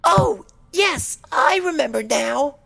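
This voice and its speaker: Woman as timid, creaky-voiced little pony Fluttershy. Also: high-pitched, big pitch swings, fairly bright tone, dry recording, heavily acted. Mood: wistful. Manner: hesitant, halting, meek. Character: timid, injured young female pegasus pony, anxious and pleading. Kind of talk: dramatized fan fiction reading.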